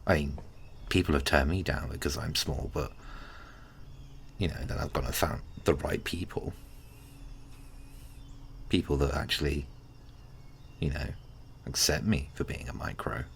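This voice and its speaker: A man playing a kindly, awkward, flirtatious tiny friend in an intimate ASMR roleplay, speaking gently and hesitantly with caring, teasing warmth. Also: a bass voice, measured pace, vocal fry, pauses often, slight background noise, full character voice. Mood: sympathetic. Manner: gentle, hesitant, bashfully rambling.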